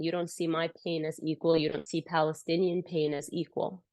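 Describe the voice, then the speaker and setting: Recorded close and dry with hardly any room echo, a woman from the United States shares a passionate personal testimony at a campus event. Her voice is fairly low for a woman, and as she recounts a hard conversation she frequently starts her sentences over, speaking with deep earnestness.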